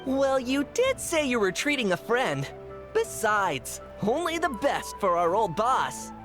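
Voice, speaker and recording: A friendly, practical kid from a children's gang in a video game. The voice is high and bounces up and down a lot, earnest one moment and teasing the next, over clear background music. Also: female voice, big pitch swings, a little slow.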